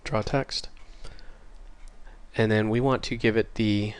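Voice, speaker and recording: A man's voice: fairly low pitch, steady tone, slow, slight background noise. A man hosting a programming tutorial, casual and apologetic, a bit stuffy after a cold. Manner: casual, apologetic, self-correcting. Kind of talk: screen-recorded coding tutorial.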